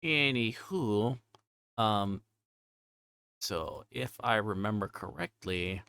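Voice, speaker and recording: A man's voice: fairly low pitch, lively intonation, takes it slowly, vocal fry, sharp tone, clear, resonant tone, no echo. A man chatting casually on a game livestream in a rambling, flustered way that keeps cutting itself off. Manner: rambling, flustered, self-interrupting. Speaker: livestreamer playing a visual novel. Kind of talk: casual livestream chat and story read-aloud. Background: game music.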